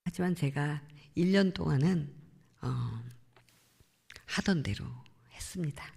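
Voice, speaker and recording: Middle-aged woman, missionary testimony, gravelly and mellow, earnest and reflective, echoing church hall. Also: low voice, expressive, unhurried. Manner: earnest, reflective storytelling with soft trailing phrases. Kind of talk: personal testimony at a prayer meeting. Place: church sanctuary. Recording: long church hall reverb.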